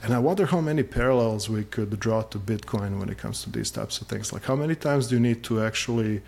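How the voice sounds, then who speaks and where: Low-voiced man, easygoing. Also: fairly quick, creaky. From Serbia. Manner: relaxed, many fillers, self-deprecating humor. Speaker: guest. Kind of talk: casual interview.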